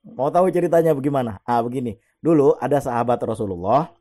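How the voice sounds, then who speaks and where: Mellow-voiced man telling a story. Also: mid-range voice, quick pace, faint music behind. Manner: chatty, laughs often while telling; opens with Islamic greetings and prayer. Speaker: channel host telling a personal story. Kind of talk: casual storytelling monologue.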